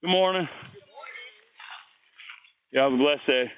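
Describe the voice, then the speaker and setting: A man's voice: on the high side, slow, highs cut off, slight background noise. A man running a football recruiting vlog, casually answering viewer comments with blunt, slangy trash talk after a workout. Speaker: high school football recruiting vlogger.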